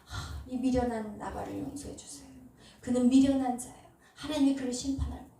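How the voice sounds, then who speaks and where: A woman's voice: a little high, fairly even intonation, a little fast, creaky, mellow, a little hiss or hum. A woman pastor voicing a wise young woman who pleads humbly and formally with a king. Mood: pleading. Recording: echoey hall, distant mic.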